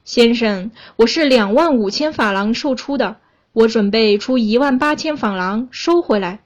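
A woman voicing a brisk, suspicious male jeweler. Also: on the high side, close to an everyday voice. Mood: businesslike.

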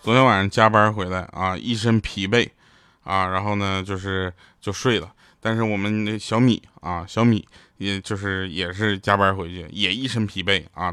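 A man hosting a show, telling comic anecdotes and acting out the people in them. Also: lowish voice. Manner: lively, acts out quoted people in changed voices, laughs at his own jokes. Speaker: show host. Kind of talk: comic storytelling monologue.

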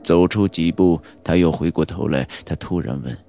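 A man narrating a horror audiobook in a slow, suspenseful storytelling manner. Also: deep voice, warm tone, slight background noise. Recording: audiobook with background music.

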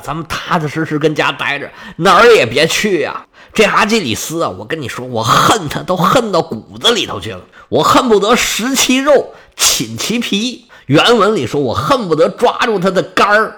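A fretful, scolding old queen speaks in a high, shrill voice full of worry for her husband, put on by a male storyteller. The voice is husky and bright, with lively swings of pitch and a lilt. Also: heavily acted.

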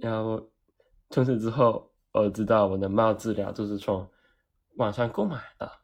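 A man from Hong Kong speaking Cantonese-accented Mandarin, telling comedic personal stories in an animated, self-mocking way and acting out the dialogue. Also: on the low side, moderate pace. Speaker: vlogger.

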